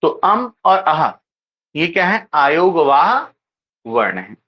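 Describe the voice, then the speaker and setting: A teacher giving an exam-prep grammar lecture, talking slowly and repeating points, often pausing to ask the class quick check questions. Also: medium pitch, very animated, highs cut off. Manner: slow, repetitive, keeps checking with rhetorical questions.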